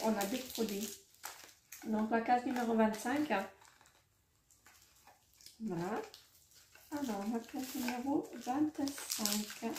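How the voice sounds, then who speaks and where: A middle-aged woman vlogger unboxes beauty products, her voice on the high side and a little mellow. She talks casually and hesitantly, full of fillers and self-corrections, in a roomy, echoing space with faint background noise.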